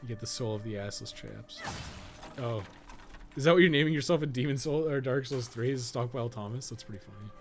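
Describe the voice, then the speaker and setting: A man's voice: medium pitch, brisk, faint music behind. A man giving casual gaming commentary, thinking aloud in a rambling, profane way with joking asides. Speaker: podcast co-host playing a video game.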